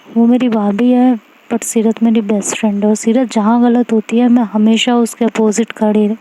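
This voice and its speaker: A woman's voice: a little high, warm tone, lightly acted, low-quality recording. Woman doing a bossy outspoken young best friend. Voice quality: scolding, emphatic.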